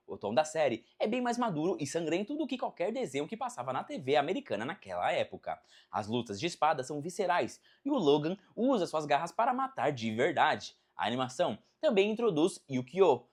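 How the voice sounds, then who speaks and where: Low-pitched, expressive Brazilian woman narrator. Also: breathy edge. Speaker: narrator of a pop culture video. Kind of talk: scripted video essay narration.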